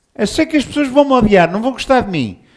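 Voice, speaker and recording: Animated in tone, a man's voice moves through very wide pitch swings. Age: 60s. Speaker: pastor. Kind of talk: sermon.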